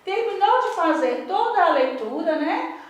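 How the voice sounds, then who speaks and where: A woman with a Brazilian Portuguese accent training English teachers in a lively instructional talk, modeling drills aloud with varied intonation. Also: very high voice, unhurried. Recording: echoey room, voice from a distance.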